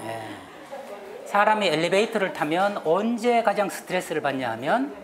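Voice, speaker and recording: A woman giving a lively talk show lecture, acting out little scenes and having the panel repeat her lines. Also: fairly low pitch, normal speed, over a noisy crowd. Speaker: guest lecturer on stress.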